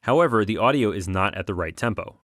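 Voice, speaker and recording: Low-voiced man narrating a tutorial. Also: expressive, quick pace. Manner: clear step-by-step explaining. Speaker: tutorial instructor. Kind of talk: scripted software tutorial narration.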